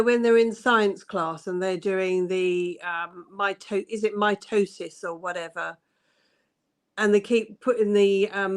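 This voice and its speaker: Woman guest on a book chat call, slow and hesitant, lots of ums. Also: mid-range voice.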